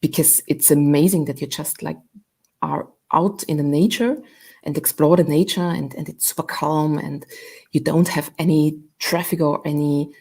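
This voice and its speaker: A woman, chatting relaxed as an interview guest, with many fillers. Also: low-pitched, moderate pace, breathy edge. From Austria. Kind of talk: casual interview chat. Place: at home.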